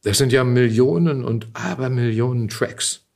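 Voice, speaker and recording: A middle-aged man speaking as an interview guest in casual conversation, reflective and halting as he searches for words. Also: medium pitch, gravelly, a little mellow.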